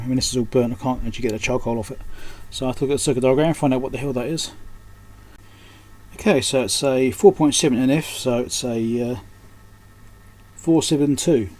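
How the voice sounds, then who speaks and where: A man narrates his hands-on repair work off the cuff, muttering short fragments at his indoor electronics bench, where he is the technician and host. His mid-range voice stays fairly even in intonation, a touch fast and a touch mellow.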